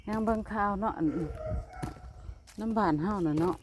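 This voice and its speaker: A woman's voice: medium pitch, moderate pace, slight background noise. A woman with an Isan Thai accent chatting casually to viewers in a vlog, filmed outdoors in a rural yard on a phone. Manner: chatty, addresses viewers as "brothers and sisters". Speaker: vlogger.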